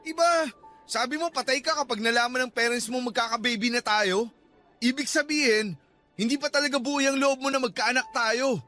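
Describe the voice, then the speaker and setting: An irritable, defensive student boyfriend in a radio drama. His voice is very high and bright for a man, exasperated and insistent, with faint music behind. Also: normal speed. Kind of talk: Tagalog radio drama acting.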